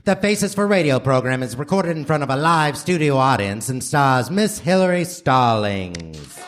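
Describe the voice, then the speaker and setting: A man's voice: mid-range voice, very animated, moderate pace. A man narrating in a grandiose, theatrical mock old-time radio announcer style on a live stage. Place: theater stage before audience. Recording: noisy live theater recording.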